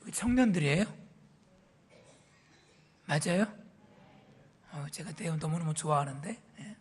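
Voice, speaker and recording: A male pastor from Seoul, warming up the congregation with jokes and teasing questions before his sermon. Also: on the high side, lively intonation, a little slow, husky. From Korea, raised in Seoul. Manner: playful, teasing the audience with questions. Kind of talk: joke-telling warm-up before a church sermon. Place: church hall. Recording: reverberant church hall.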